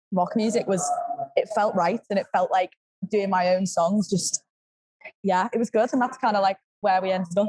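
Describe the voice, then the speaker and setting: With an English accent, a woman speaks at medium pitch and a moderate pace, leaving long, frequent pauses. Her loudness stays very even, and the sound is dry and close with no echo. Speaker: rock band singer. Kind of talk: casual interview chat. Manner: animated.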